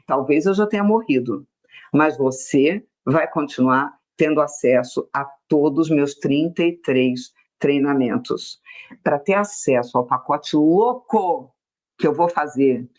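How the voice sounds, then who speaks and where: A woman with a Brazilian accent, teaching an online self-help class, speaking emphatically and slowly repeating phrases in a soft chant. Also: low-pitched. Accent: Brazilian Portuguese. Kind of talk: online class with sales pitch and guided mantra exercise.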